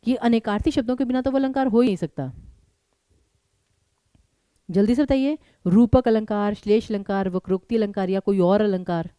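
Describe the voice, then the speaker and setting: A young woman teaching a live online exam-prep class, brisk and urging students to answer quickly, mixing English words into her Hindi. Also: medium pitch, warm tone, clean tone, no echo.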